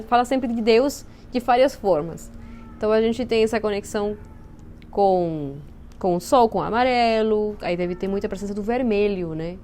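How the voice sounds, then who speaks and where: A Peruvian woman, a native Spanish speaker with a Spanish accent, chats casually as an interview guest, explaining thoughtfully and sometimes searching for words. Her medium-pitched voice is a little mellow, with a slight hiss or hum in the recording.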